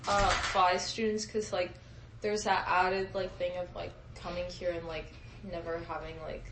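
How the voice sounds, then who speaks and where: A young woman, a college student, chatting casually and then interviewing a friend, halting often with fillers. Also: on the low side, level tone, reverberant, noisy background. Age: young adult.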